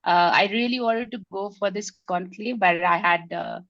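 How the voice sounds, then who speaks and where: A hoarse woman joining an online meeting to share grateful, reflective thoughts, with many fillers. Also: mid-range voice, moderate pace, a bit bright, no room sound. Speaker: meeting participant. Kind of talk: casual online meeting chat. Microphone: video call. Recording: slightly dull call audio.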